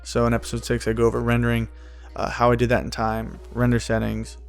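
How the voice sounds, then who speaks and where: A man's voice: mid-range voice, monotone, quick pace, gravelly, clear, resonant tone. Rambling casual man, faint music behind. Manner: rambling, loose, with many fillers and restarts. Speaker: animator and video creator. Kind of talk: casual behind-the-scenes walkthrough.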